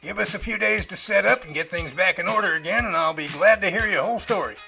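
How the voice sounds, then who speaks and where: A man's voice: high-pitched, fast, vocal fry, pushed and bright, soft background music, exaggerated voice. A man playing a feisty, folksy older professor who teases, in an amateur audio drama. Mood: pleased. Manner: bantering, folksy old-fashioned turns of phrase.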